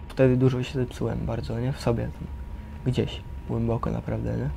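A young man recalling his experiences casually and haltingly, in slangy speech peppered with tag questions. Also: mid-range voice, gravelly. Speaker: resident of a youth correctional centre. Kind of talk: casual personal recollection. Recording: some steady background noise.

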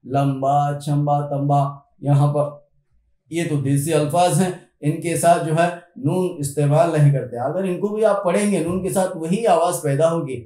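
A man teaching an Urdu spelling and pronunciation lesson, explaining slowly and repeating example words one by one. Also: a little high, dark tone, roomy sound. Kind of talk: spoken grammar lesson.

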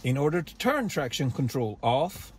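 A man's voice: mid-range voice, big pitch swings, normal speed, husky. Older man explaining cars, methodical. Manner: plain, methodical explaining with small slips. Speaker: master diagnostic technician. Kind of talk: explaining car features to camera. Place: outdoors in a dealership parking lot, then inside a car.

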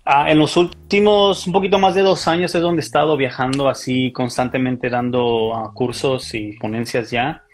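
A man with a Mexican accent, talking as an interview guest over a video call and pausing often on fillers and restarts. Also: mid-range voice, fairly even intonation. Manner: hesitant, many fillers and restarts. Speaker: interview guest, micropigmentation artist. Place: small indoor room.

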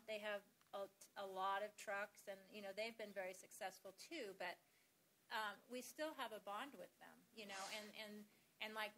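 A woman's voice: mid-range voice, bright, forceful tone, slight background noise, low-quality recording. A woman presenting slides at a farm workshop, talking conversationally with many fillers and restarts.

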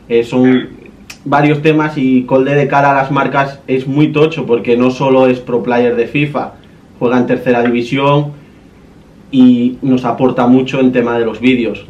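Halting young Spanish man, dull distant sound. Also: medium pitch, darkish tone. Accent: Spain. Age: 20s. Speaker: YouTuber making a prank call. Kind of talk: casual, hesitant conversation. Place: indoor gaming room at a desk.

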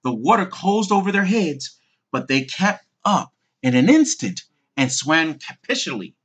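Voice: medium pitch, big pitch swings, a little slow, a bit bright, husky. A storyteller reading a scripted fairy tale aloud as narration.

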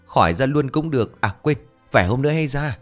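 A man's voice: fairly low pitch, expressive, brisk, soft background music, lightly acted. A man doing a flustered bumbling young husband. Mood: panicked. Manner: flustered and blustering.

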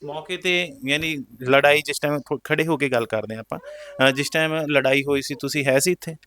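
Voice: medium pitch, brisk, a bit bright, no echo. A reporter questioning a family in a field interview, prompting and consoling them. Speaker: news reporter.

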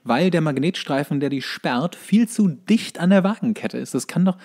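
A man's voice: fairly high pitch, lively intonation, normal speed, darkish tone. A man co-hosting a podcast, chatting casually with mock-indignant rants and emphatic wording. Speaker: podcast co-host. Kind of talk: casual chat.

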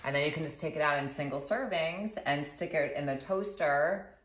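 A woman in her thirties casually walking through a recipe in her home kitchen, chatty and relaxed, filmed by a camera across the counter. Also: low-pitched, moderate pace, a little hiss or hum. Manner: relaxed, chatty instructions with fillers. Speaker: doctor sharing recipes. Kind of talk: casual cooking demonstration. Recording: echoey kitchen, slightly distant.

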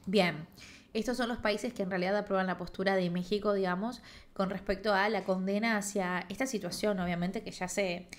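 A woman's voice: medium pitch, fairly even intonation, fairly quick. A young adult woman with a Rioplatense accent reacts as a streamer, in a mid-range voice. She speaks casually and directly to her audience from a desk microphone at home. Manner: conversational, addressing viewers. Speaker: streamer reacting to a news video. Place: home room, indoors. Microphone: desk microphone with headset on.

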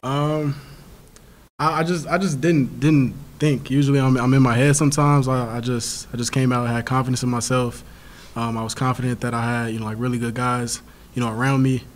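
A young man in his twenties, a college basketball player answering questions at a post-game press conference, halting and repeating words as he talks. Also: mid-range voice, steady tone. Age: 20s. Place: press room before a sponsor backdrop. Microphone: table mic in front of him.

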